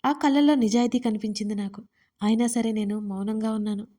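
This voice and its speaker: A woman narrating her own first-person audio story in an expressive, conversational way. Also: a little high, brisk. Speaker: writer and narrator.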